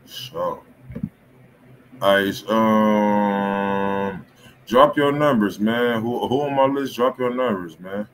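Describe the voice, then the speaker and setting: Slow, low-voiced man hosting casually. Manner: slangy, informal. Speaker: music review stream host. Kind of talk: casual live stream chat. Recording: faint room noise.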